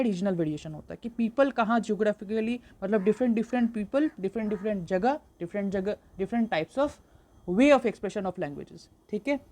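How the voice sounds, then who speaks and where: A young woman, tutoring for an exam and explaining slowly, mixing in English terms, with frequent fillers. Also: mid-range voice, darkish tone. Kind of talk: exam-prep lecture.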